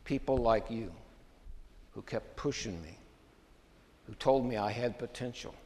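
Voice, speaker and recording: A man's voice: medium pitch, a little slow, darkish tone. Man preaching in a reverberant church. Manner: conversational storytelling, chuckles often. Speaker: pastor. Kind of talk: sermon. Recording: long hall reverb.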